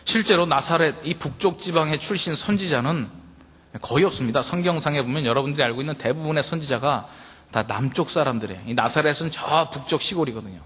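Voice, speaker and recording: A male pastor delivers a sermon in a talking-to-you style, putting question after question to the congregation. His voice sits a little high for a man. Long reverb trails off his words in a large hall. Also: quick pace, fairly bright tone, husky. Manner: conversational preaching, addresses the congregation directly with rhetorical questions.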